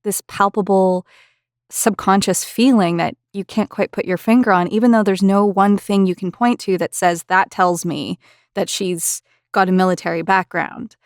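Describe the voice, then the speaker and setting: Woman, interviewer, conversational questioning, dry close recording, medium-pitched voice. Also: steady tone, moderate pace, dry recording.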